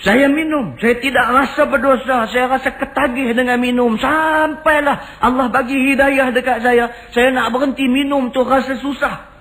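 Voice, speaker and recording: A man's voice: extremely high pitch, steady tone, normal speed, fairly bright tone, pitched above the performer's own voice. A man voicing a remorseful young man who confesses his past sins, speaking with a raised, pleading voice. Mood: confessing.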